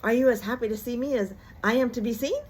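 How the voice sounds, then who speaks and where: Woman voicing an excitable, high-pitched bouncy cartoon tiger. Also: quick pace, breathy edge. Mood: boisterous. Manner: excitable, exclaiming, hooting. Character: exuberant, bouncy, boastful male cartoon tiger.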